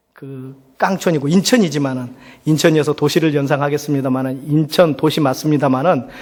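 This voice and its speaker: A man's voice: a little high, a little mellow. Man preaching in a reverberant church hall. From South Korea. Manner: conversational, frequent rhetorical questions. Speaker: pastor. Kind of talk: sermon with personal storytelling.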